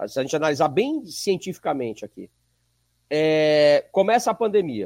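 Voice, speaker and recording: This man's pitch swings very widely as he talks at a moderate pace. The sound is dry and close with no echo, and the recording is very clean against a silent background. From São Paulo, Brazil. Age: 50s. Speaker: law professor. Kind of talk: interview conversation. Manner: hesitant, frequent fillers.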